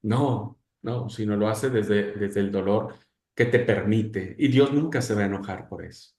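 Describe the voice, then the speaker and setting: A man teaching a Bible class, telling stories with sudden swings from loud to soft. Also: on the low side, a little slow. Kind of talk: class discussion. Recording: echoey room.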